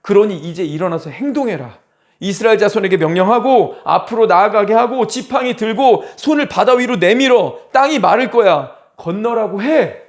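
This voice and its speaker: A preacher doing God as a stern, impatient male deity, rising high and loud as he scolds with blunt demands, then slowing to hammer each order home. The voice sits in a raised register for a man. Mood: scolding. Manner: blunt, scolding rhetorical questions.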